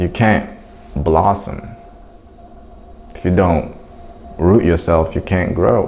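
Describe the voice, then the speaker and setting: A man with a very deep, low pitch speaks at a very slow pace with ordinary pitch variation and long, frequent pauses. Audible room echo and noticeable background noise surround him. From Crimea, Ukraine. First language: Russian. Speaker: English teacher. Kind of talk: personal monologue vlog. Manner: hesitant, many fillers.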